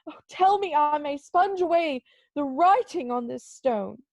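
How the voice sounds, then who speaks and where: A woman's voice: high-pitched, animated, unhurried, no echo. A woman playing an old male miser, giddily reformed and penitent, in an amateur dramatic reading full of exclamations. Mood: pleading, fervent. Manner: exclamatory, effusive.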